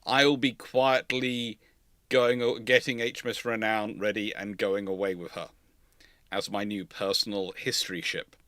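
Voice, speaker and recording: A man hosting a live question-and-answer chat, halting and repeating words as he reads and answers. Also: lowish voice, little pitch movement, fairly bright tone, no echo. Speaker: host answering viewer questions. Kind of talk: live Q&A chat on naval history.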